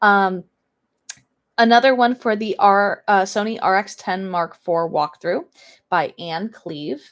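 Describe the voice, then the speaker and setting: The background is silent on a very clean recording. A woman talks at a medium pitch, and her pitch varies in an ordinary way. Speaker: photography YouTuber. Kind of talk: live stream reading comments.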